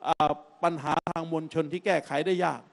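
Middle-aged male political speaker, high-pitched, forceful lecturing delivery. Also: steady tone, brisk, creaky. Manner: emphatic, lecturing with frequent particles. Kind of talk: impassioned political talk.

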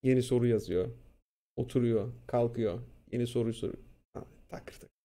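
A young man casually telling a school story, animated and profane, acting out what people said. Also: medium pitch, moderate pace. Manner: animated, profane, acts out quotes. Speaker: streamer.

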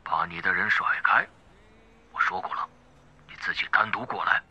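A man's voice: low voice, moderate pace, sharp tone, breathy edge, dull audio, exaggerated voice. A man voicing a cold, suspicious crime boss in an audiobook, curt, commanding and menacing. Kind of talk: audiobook character acting.

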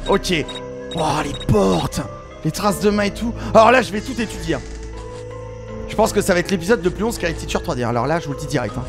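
A man giving excitable, exclamatory let's play commentary as a gaming YouTuber, often shouting with excitement. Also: high-pitched, fairly quick. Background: game music.

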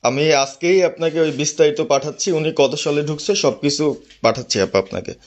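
A man's voice: on the high side, moderate pace. A man with a Bangladeshi accent reporting to his superior on a phone call in a deferential, hesitant way. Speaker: student party organizer. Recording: dull, lo-fi phone call recording.

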